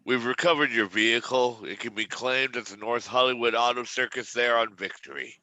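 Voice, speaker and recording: A man's voice: mid-range voice, lively intonation, brisk, bright, forceful tone, no echo, low-quality recording. A man playing a formal, businesslike police duty officer in a table read. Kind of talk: amateur virtual table read.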